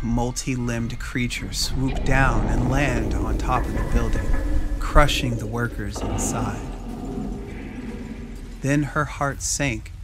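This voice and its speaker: A man narrating a scripted dramatic story. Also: mid-range voice.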